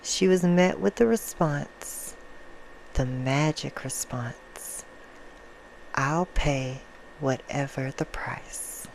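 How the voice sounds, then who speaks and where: A woman voicing a soothing yet menacing female vampire in an ASMR roleplay, telling a bedtime story in a hushed manner that drifts into whispers. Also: low voice, drawn-out words, exaggerated voice, poor audio. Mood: hushed storytelling. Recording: clear background noise.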